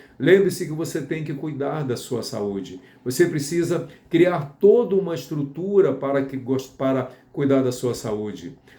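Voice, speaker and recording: Speaking at a fairly slow pace, a man with a fairly high pitch and a dark, mellow tone uses lively intonation, and audible room echo surrounds his voice. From Brazil, Campos (Rio de Janeiro state). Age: 60s. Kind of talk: motivational talk.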